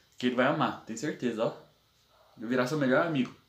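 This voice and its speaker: The pace is fairly quick. Room echo is audible in the recording. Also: man. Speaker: youtuber. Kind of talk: casual reaction vlog chat. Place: home room. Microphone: earbuds.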